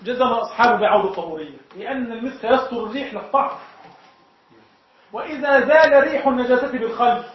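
A man's voice: very high voice, quick pace. A man with an Egyptian Arabic accent teaching a jurisprudence lesson to students, explaining step by step and often checking whether the class understands. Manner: explains point by point, often asks the class if it is clear. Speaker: sheikh teaching Shafi'i jurisprudence. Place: lecture room with students. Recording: echoey, dull lo-fi room recording.

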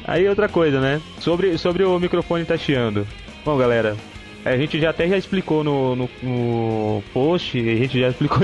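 A young Brazilian man with a Brazilian Portuguese accent, co-hosting and editing a podcast in laid-back, slangy chat. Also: on the high side. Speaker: podcast co-host and editor. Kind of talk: casual chat. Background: faint guitar music.

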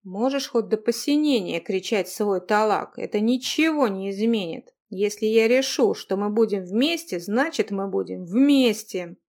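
A woman voicing a brash, headstrong young man who speaks loudly and commandingly. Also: medium pitch, expressive, a little slow, hardly any pauses. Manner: loud, commanding, cocky.

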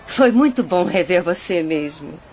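Film dub: generous, affectionate Brazilian woman, animated and unhurried, faint ambience noise. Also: lowish voice.

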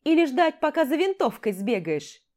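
A woman reading an audiobook voices an aggressive male boxer soldier who taunts and shouts threats. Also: sits high, very animated, moderate pace, pitched above the performer's own voice. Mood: furious.

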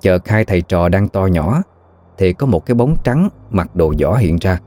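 A man narrating a ghost story in a steady, even storytelling manner. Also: low-pitched, moderate pace.

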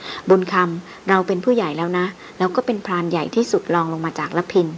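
Firm, commanding male expedition chief, voiced by a woman narrator, lowered voice. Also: quick pace, muffled recording, slight background noise, natural voice. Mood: stern. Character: stern male expedition leader, calm and commanding.

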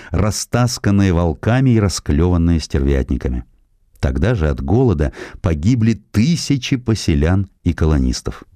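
A man narrating a historical audiobook from a script with an expressive, dramatic storytelling delivery. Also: sits low, dry recording, studio quality. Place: studio.

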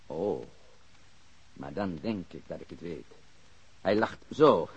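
An actor playing a guarded but cooperative Swiss-German immigrant car mechanic in a radio crime drama, speaking in short, simple sentences. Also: male voice, low-pitched, lively intonation, takes it slowly, breathy edge, dull audio, exaggerated voice.

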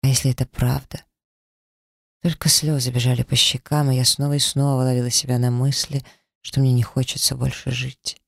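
A man reading a first-person story as an audiobook narrator, in an even, somber way. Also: mid-range voice, a little fast, gravelly, dry recording, clean studio sound. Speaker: audiobook reader.

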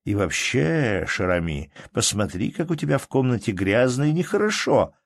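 An affectionate, bossy young woman, as a male reader puts her on with a raised voice. She talks with a playful, commanding warmth, and the recording is dry and close. It is a classic audiobook reading. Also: medium pitch, very animated, moderate pace, no echo, voice pushed up. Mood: playfully bossy.

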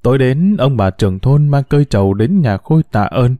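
A man narrating a story in an expressive, emotive way. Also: mid-range voice, fairly quick, dry recording, faint music behind.

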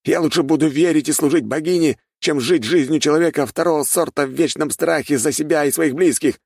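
A man voicing a zealous male warrior of a goddess, fervent and shouting. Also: a little high, a little fast, gravelly, dry recording, clean studio sound, pitched above the performer's own voice.

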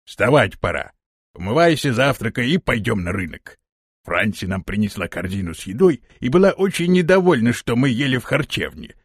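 A man voicing a calm, unhurried adult male companion in an audiobook, speaking low and deadpan. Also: slightly rough, no echo, clean studio sound.

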